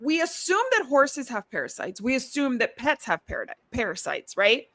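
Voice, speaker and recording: Bright, chatty woman from Ecuador. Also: on the high side, big pitch swings, normal speed. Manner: chatty, many fillers and asides. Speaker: podcast host. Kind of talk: casual live-stream chat. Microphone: video call.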